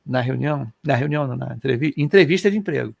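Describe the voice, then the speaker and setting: A middle-aged man from Rio de Janeiro, telling personal stories in an animated, colloquial way as co-host of a casual chat. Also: medium pitch, fast, gravelly, dry recording, clean studio sound. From Brazil. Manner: animated, colloquial, emotional storyteller.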